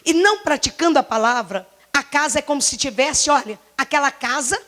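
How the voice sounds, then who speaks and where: During a church service, a Brazilian Portuguese-accented pastor in her forties delivers an impassioned sermon, repeating herself and asking question after rhetorical question. Her voice sits high, expressive, pushed and bright, a little fast and slightly hoarse.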